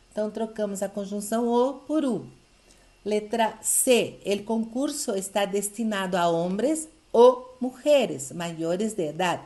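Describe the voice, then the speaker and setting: A woman leads a recorded review class, working through grammar exercises item by item. Her voice sits at an ordinary middle pitch. She explains each answer patiently and keeps checking in with short questions to the class. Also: warm tone. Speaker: Spanish teacher. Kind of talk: recorded online review lesson.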